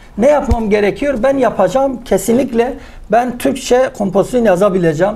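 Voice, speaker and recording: A man speaks with an extremely high pitch. His pace is moderate. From Kurdish region of Turkey, village. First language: Kurdish (speaking Turkish). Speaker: Turkish teacher, talk moderator. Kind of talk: panel talk on a book. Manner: hesitant, many filler sounds.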